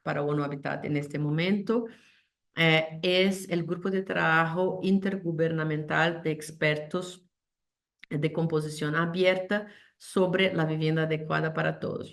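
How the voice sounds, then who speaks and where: A woman's voice: on the low side, creaky. A woman giving a panel presentation over a video call, speaking Spanish as a second language, hesitant with many fillers and restarts. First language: not Spanish. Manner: hesitant, many fillers and restarts, code-switches English terms.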